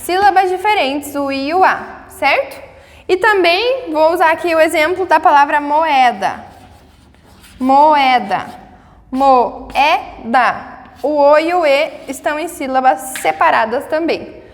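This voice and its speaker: A Brazilian woman teaching a grammar lesson, patiently checking in with her students and sounding out words slowly syllable by syllable. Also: sits high, long reverb tail. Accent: Brazilian Portuguese. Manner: patient, checks in often with tags.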